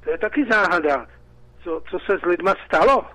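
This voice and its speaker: A man's voice: high-pitched, lively intonation, sharp tone, poor audio. A Czech man calling in to a radio talk show, talking in an agitated, repetitive way. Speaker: caller.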